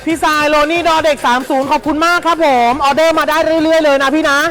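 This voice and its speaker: A live-stream seller giving a fast, hyped sales pitch for second-hand clothing, chatty and persuasive, repeating phrases for emphasis. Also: flat delivery, fairly bright tone, soft background music.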